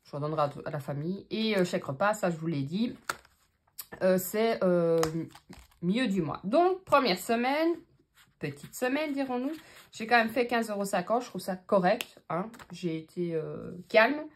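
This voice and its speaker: Talking to her viewers in an easygoing way, this woman works through her budget aloud, her Belgian French accent and frequent fillers coming through. Her mid-range voice is expressive and moves at a moderate pace, with a faint hiss or hum in the recording.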